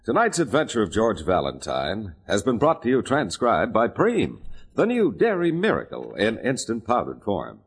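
A man's voice: fairly low pitch, wildly swooping pitch, normal speed. A man with an American accent reading ads and credits as an old-time radio announcer, polished and emphatic. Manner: polished, emphatic sales delivery, spelling out words. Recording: vintage radio broadcast with music behind. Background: music.

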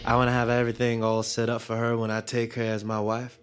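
An actor playing a young enslaved apprentice who is blunt and distrustful. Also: male voice, mid-range voice, completely flat delivery, fast, music in the background, lightly acted. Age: young adult. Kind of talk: audio drama.

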